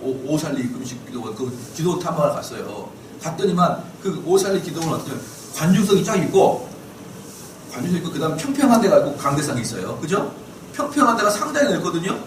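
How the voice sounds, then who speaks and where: A man's voice: a little high, fast, far from the mic. A middle-aged male pastor giving a Bible class lecture, firing rhetorical questions at his listeners and acting out the people he describes. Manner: fires rhetorical questions at the audience; animated, acts out quoted people. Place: church lecture hall. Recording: echoey hall, voice from off-mic, faint hiss.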